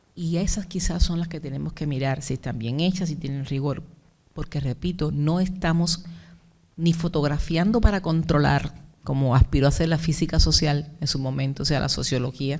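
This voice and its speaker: A woman with a very deep, low pitch speaks with ordinary pitch variation, and audible room echo surrounds her. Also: moderate pace. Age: 50s. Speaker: researcher. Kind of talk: lecture. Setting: seminar with audience. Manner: animated.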